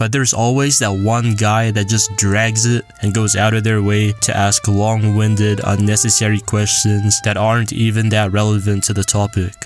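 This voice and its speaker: Music plays in the background as a man talks at a moderate pace, monotone and flat in intonation, with hardly any pauses. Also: fairly low pitch for a man. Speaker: YouTuber. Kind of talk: casual commentary talk to camera. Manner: casual, slangy.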